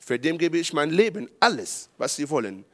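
A man from Israel preaching a charismatic sermon, his voice sitting a little high. He talks in imperfect, non-native German and climbs to loud, emphatic peaks. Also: sing-song, normal speed. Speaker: pastor.

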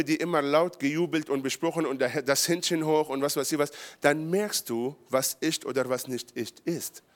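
A medium-pitched man from Israel preaches a charismatic sermon in German as a pastor, making grammar slips and building up to loud, emphatic peaks.

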